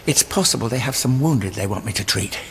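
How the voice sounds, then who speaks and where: Luke, gravelly, expressive physician. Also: male voice, mid-range voice, brisk, slight background noise. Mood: wary, reasoning. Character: Luke, level-headed male physician and chronicler, kindly. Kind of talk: dramatised audio drama dialogue.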